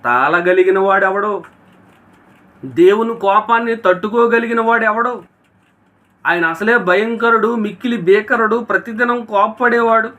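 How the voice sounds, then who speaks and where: A man delivering a sermon in a high voice with a bright, forceful edge. He speaks to his listeners directly and keeps asking them rhetorical questions. His delivery is earnest and steady. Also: measured pace. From India. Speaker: preacher.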